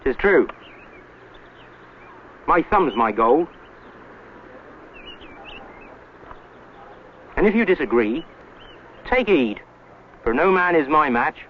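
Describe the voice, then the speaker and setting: A man's voice: a little high, very animated, takes it slowly, pauses often, a little hiss or hum. An actor playing a boastful medieval English miller who blusters defensively about his honesty in archaic speech, on an old film soundtrack. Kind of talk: educational film historical acting. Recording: tinny, band-limited old 16mm film soundtrack.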